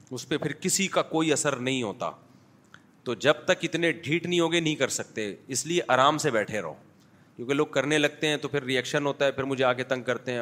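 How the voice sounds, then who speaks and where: A male preacher addresses a congregation in a mosque and speaks frankly with a joking edge. He tells anecdotes and acts out the dialogue as he goes, at an everyday pitch. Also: fairly bright tone. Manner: frank, humorous storytelling with acted dialogue. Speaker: mufti giving a Sunday lecture. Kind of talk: sermon with anecdotes and audience questions.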